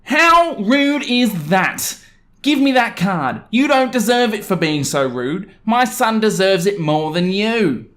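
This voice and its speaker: A man voicing a haughty, indignant, demanding mother in a storytelling narration, with a shrill delivery. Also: big pitch swings, slow, a bit bright, heavily acted. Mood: offended, demanding. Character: pushy, indignant entitled middle-class mother, adult woman.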